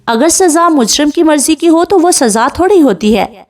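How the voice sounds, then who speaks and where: A woman's voice: high-pitched, animated, darkish tone, pitched above the performer's own voice. A woman voicing a sick young woman in a hospital bed, tearful and accusing in a raised voice. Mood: bitter.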